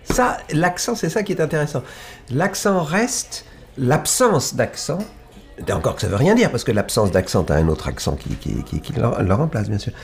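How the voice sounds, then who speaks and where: A man with a neutral Île-de-France French accent, speaking as an author guest in a reflective conversation. He is thoughtful and halting, and his emphasis rises and falls sharply. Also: mid-range voice, sing-song. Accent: standard Île-de-France French. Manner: thoughtful and halting, with wide swings in loudness and emphasis.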